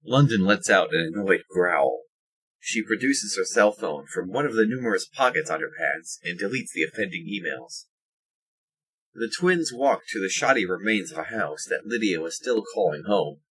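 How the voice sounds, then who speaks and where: A man's voice: low voice, lively intonation, normal speed, a bit bright, breathy edge, low-quality recording. A man reading scripted narration as the narrator of an audio drama.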